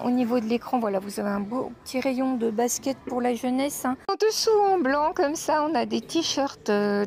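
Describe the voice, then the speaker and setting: A chatty woman with a high voice walks through a discount store aisle, filming on her phone. She talks to her viewers casually, pointing out items with plenty of fillers and friendly asides. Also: darkish tone, a little hiss or hum. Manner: chatty, addresses viewers as girls, many fillers. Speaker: shopping vlogger.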